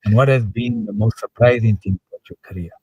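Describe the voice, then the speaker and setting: A man co-hosting a talk show, putting measured, probing questions to the guest. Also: on the low side, darkish tone, breathy edge, no echo, rough recording. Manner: measured, inquiring. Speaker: co-host. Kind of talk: interview questions.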